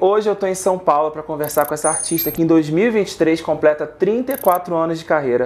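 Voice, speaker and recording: The speech runs very fast with hardly any pauses. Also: man, high pitch for a man, ordinary pitch variation. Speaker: interviewer, channel editor-in-chief. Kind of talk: casual intro to camera. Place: home room. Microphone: lapel.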